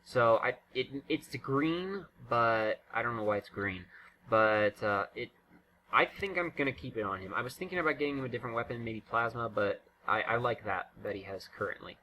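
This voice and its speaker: A man's voice: medium pitch, normal speed, lo-fi sound. A man giving casual, unscripted game commentary in a rambling, self-interrupting way. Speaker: gaming video creator.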